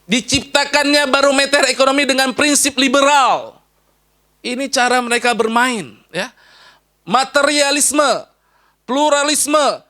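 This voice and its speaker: A male preacher lecturing a live audience in a hall. His voice sits very high and sounds forceful and sharp, and he is animated, joking as he swings up and drops low. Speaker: Islamic preacher.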